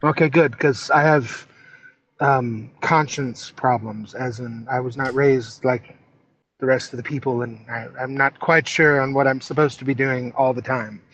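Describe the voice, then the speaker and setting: A man with an average-pitched voice talks as a player at a game table. His delivery is casual and informal, a little hesitant. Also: steady tone, a little slow, fairly bright tone, low-quality recording.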